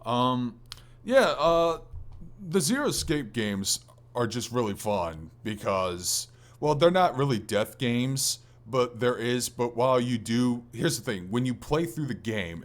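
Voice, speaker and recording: A man hosting a gaming podcast, talking in an informal, rambling way with casual swearing. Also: medium pitch. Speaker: podcast host.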